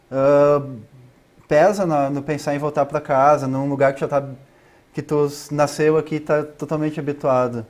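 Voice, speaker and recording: A man's voice: on the high side, darkish tone. A man, a talk show guest speaking in an earnest, casual way.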